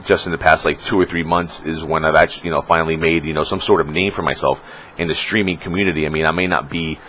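A man's voice: steady tone, quick pace, a bit bright, a little hiss or hum, poor audio. A young man talking casually on his vlog as a streamer, rambling with lots of fillers and swearing. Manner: rambling, filler-heavy, swears and mocks trolls in squeaky voices.

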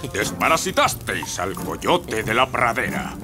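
A man's voice: medium pitch, big pitch swings, a little slow. An actor voicing a solemn old tribal wise man in a cartoon, ceremonial and theatrical. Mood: solemn praise. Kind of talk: animated cartoon dub. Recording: music behind the voice.

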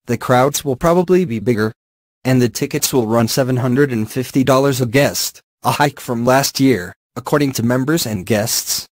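A man reads a news article aloud in a steady, even manner, his voice sitting in a middle pitch. The sound is dry and close, with no room around it. The wording slips now and then. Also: moderate pace, no room sound. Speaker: news reader.

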